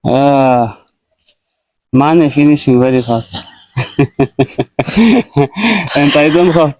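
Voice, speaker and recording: A man's voice: mid-range voice, darkish tone, no room sound, poor audio. A man from Russia, a native Russian speaker, answering interview questions in short, simple English phrases. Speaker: interviewee, husband. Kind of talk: casual interview.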